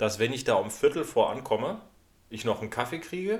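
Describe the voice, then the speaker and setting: A somewhat breathy man at a moderate pace, his pitch fairly high. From Sauerland, Germany. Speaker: podcast co-host. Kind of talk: casual chat. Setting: studio.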